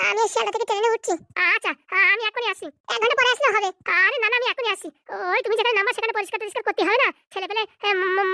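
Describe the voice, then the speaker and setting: Voice artist as squeaky, rapid, stammering lovesick drunk; cartoon comedy. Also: no room sound, studio quality, exaggerated voice. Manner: stammering, excitable, sped-up high cartoon voice. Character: lovesick hopeful drunk young man, broke.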